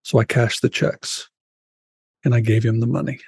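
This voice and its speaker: Husky-voiced man telling his story earnestly. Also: medium pitch, fairly even intonation, normal speed, a little mellow, no echo, clean studio sound. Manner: earnest, reflective, addresses host by name. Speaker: podcast guest, author. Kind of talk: personal storytelling in an interview.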